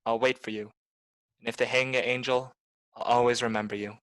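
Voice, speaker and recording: A man's voice: mid-range voice, level tone, brisk, a bit bright, dry recording, close to an everyday voice, low-quality recording. Man acting a hard-boiled noir detective, dry sound. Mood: bitter, resolute. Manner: blunt, accusing, tough. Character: hard-boiled, cynical male private detective. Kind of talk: 1940s film noir radio acting.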